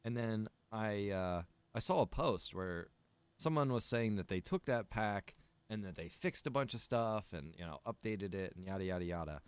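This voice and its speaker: Rambling man with a lowish voice. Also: animated, moderate pace, clear, resonant tone, no room sound. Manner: rambling, thinking aloud. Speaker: streamer and server developer. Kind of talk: casual gaming stream chat.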